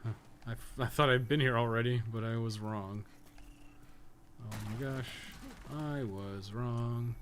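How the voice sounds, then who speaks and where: There's a little hiss or hum under this man's steady, fairly bright, medium-pitched voice as he talks at a measured pace. A podcast co-host playing a game on a live stream, he gives casual, rambling commentary, swearing and muttering asides to himself.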